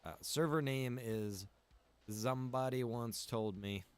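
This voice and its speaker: A game streamer who also runs a server talks to his viewers during a live gameplay stream. His medium-pitched voice is smooth and unhurried, and he keeps things casual, chatty and direct.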